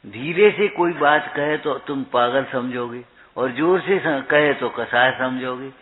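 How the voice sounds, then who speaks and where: A man giving a spiritual discourse, chanting verses slowly and then explaining them in a questioning, chiding way. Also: mid-range voice. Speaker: preacher. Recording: tinny phone-like recording.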